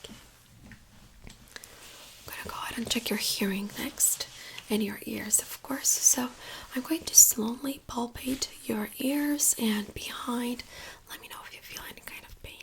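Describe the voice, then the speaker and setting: A woman softly whispering in an ASMR medical exam roleplay, giving slow, gentle, attentive instructions as the examiner. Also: a little high, rough recording. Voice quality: soft breathy whisper.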